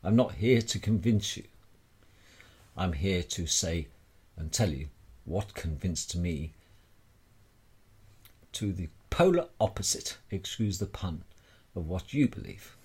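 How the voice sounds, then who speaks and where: A man delivering a rambling monologue straight to the listener in a wry, theatrical manner with deliberate dramatic pauses. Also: deep voice, expressive, darkish tone, husky. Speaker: speaker sharing personal views.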